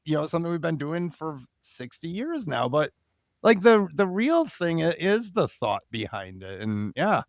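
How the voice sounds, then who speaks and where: Lively, higher-voiced man hosting a podcast. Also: normal speed, dry recording, clean studio sound. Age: 40s. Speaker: podcast host. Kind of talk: casual conversational interviewing.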